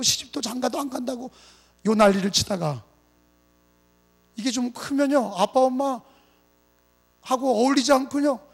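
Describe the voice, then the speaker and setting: A male pastor preaching a revival sermon, emphatic, swinging between loud cries and quiet murmurs, and having the congregation repeat after him. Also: very high-pitched. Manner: has congregation repeat phrases. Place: church sanctuary. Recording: long hall reverb, mains hum.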